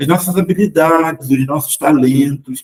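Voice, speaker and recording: This man is recorded with a dry, close sound and no echo at all. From Rio de Janeiro, Brazil. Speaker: pastor teaching a discipleship class. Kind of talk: lecture. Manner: hesitant, frequent fillers and restarts.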